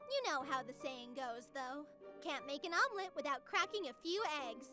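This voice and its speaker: A woman's voice: sits high, very animated, normal speed, sharp tone, faint music behind, full character voice. A woman playing a cheerful but tyrannical, self-righteous artificial being, narrating a scripted visual novel. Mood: breezy, smug.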